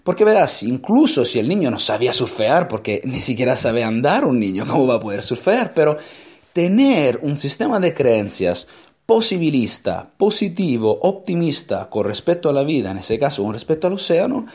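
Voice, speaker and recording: A man's voice: medium pitch, very animated, normal speed, darkish tone. A man with an Italian accent, a native Italian speaker, giving an emphatic motivational talk full of rhetorical questions.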